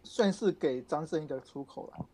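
A man with a Taiwanese accent chatting casually about films as a podcast co-host, musing and explaining haltingly. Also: on the high side, a crowd in the background. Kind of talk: casual film discussion.

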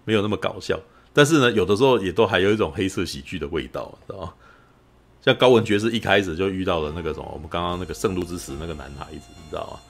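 Podcast host, male, lowish voice, rapid animated storytelling. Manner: animated storyteller, keeps asking "you know?". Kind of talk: casual film review chat.

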